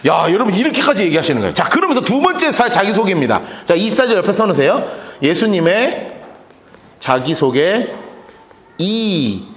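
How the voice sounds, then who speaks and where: Lively high-voiced male pastor preaching. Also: fast talker. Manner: asks the congregation frequent call-and-response questions; animated and joking. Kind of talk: Bible-study sermon. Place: church sanctuary. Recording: echoey church hall reverb.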